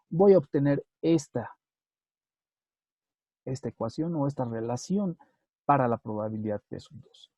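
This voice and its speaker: A man's voice: mid-range voice, vocal fry, mellow, slightly rough, dry recording. A man giving a methodical university lecture, often checking with the students and correcting himself as he goes. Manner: methodical, repeats points and checks with tag questions; self-correcting, with hesitations. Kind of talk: recorded online lecture on queueing theory.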